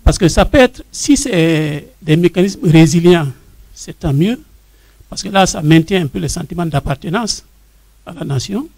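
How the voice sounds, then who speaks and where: A man's voice: sits high, dark tone, dry recording. A male academic with a Burkinabè French accent, putting a question to panelists from the audience.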